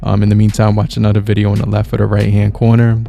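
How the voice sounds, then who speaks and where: Gravelly, dark-voiced man reviewing gear. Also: lowish voice, soft background music. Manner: relaxed, halting with fillers. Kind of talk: casual product review. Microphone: podcast mixer with microphone.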